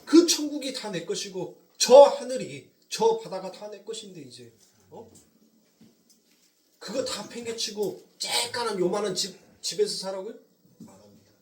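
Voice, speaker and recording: Animated preacher with a Jeolla accent. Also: male voice, high voice, normal speed, echoey room, recorded from a distance. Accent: Jeolla Korean. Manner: animated, swings from loud emphasis to near whispers. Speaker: pastor. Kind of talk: sermon. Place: church sanctuary.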